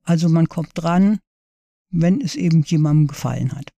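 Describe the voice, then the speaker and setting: A woman's voice: deep voice, moderate pace, mellow, dry recording. Woman author reading in a dry room. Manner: hesitant with fillers in chat. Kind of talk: reading her own novel, then casual chat.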